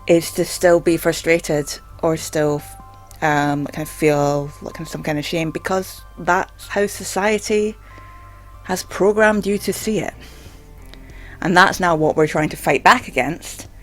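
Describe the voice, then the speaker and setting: A vlogger with a stammer rambling casually and hesitantly, often saying "like". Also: medium pitch. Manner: hesitant, stammering, filler-heavy with frequent "like". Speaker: video blogger. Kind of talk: casual rambling talk to camera.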